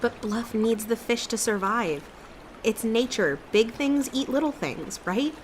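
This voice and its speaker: A headstrong young cryptid girl, with a fairly high voice. She talks impulsively and argues casually in an audio drama, over clearly noisy watery ambience. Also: animated, measured pace. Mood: protesting. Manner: impulsive, argumentative, casual speech.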